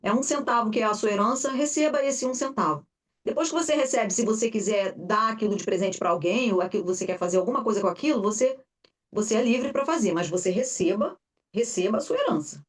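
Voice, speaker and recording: A woman facilitator giving an informal teaching talk, animated and full of fillers, often acting out her clients' voices. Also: fairly high pitch, fairly quick. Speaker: family constellation facilitator. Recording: voice distant from the mic.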